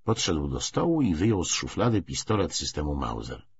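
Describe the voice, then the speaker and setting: A man reading a literary audiobook with expressive, deliberate delivery. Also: rumbling low, husky, lo-fi sound. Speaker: audiobook narrator. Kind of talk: literary audiobook narration with acted dialogue.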